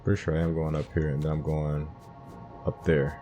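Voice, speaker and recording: A man's voice: extremely low pitch, level tone, a little fast, music in the background. A man giving casual gameplay commentary, thinking aloud as he plays. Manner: thinks aloud, musing to himself. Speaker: gaming host narrating a playthrough.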